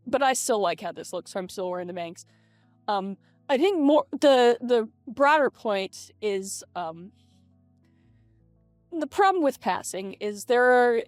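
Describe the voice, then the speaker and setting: A woman's voice: on the high side, no room sound. A middle-aged American woman talking candidly and hesitantly in a casual vlog, her voice run through a voice changer. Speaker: vlogger. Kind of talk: casual confessional vlog to camera. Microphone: webcam setup at a computer. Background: lo-fi game music.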